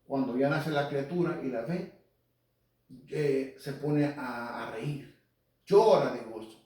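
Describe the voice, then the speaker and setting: A man with a medium-pitched, slightly mellow voice speaks slowly as he teaches the Bible in Spanish. He is a lay Catholic preacher who quotes scripture and addresses people in the congregation by name. The recording is distant, with heavy hall echo.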